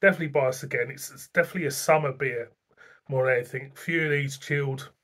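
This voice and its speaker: A man's voice: mid-range voice, fast, fairly bright tone. A middle-aged man reviewing a beer to camera in a casual, rambling, plain-spoken way, recorded in a small room at home.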